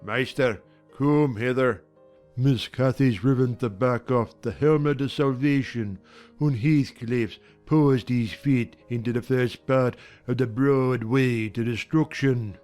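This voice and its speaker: A man playing a sour, pious old servant with a broad Yorkshire accent who scolds slowly in a dramatized reading. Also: mid-range voice, a little mellow, soft background music, lightly acted. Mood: scolding. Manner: slow, scolding, preachy.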